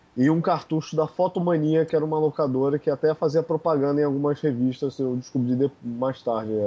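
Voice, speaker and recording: With an unremarkable speaking voice, a man of fairly high pitch talks at a fairly quick pace, with fairly even intonation and hardly any pauses. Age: 20s. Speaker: gaming community administrator. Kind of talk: casual chat.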